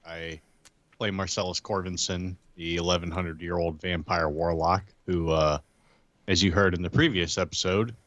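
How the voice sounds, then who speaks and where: Man, deep voice, lively pitch, casual podcast chat, close dry sound. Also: moderate pace, dry recording. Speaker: podcast player.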